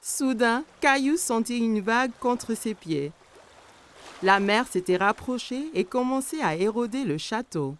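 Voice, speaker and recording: A woman narrating a scripted children's story in an expressive storytelling manner. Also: a little high, measured pace, slight background noise.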